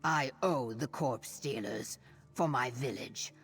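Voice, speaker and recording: A woman voicing a stern, devoted reptilian tribal warrior in a video game, speaking solemnly and formally with a raspy, gravelly voice. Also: very deep voice, heavily acted. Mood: grim resolve. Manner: slow, solemn, formal speech. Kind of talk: video game character acting. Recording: music behind the voice.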